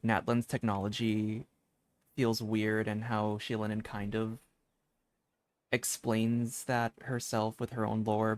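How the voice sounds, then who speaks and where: A man's voice: fairly low pitch, no room sound. Man streaming a game, dry close sound. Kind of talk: casual live gameplay commentary.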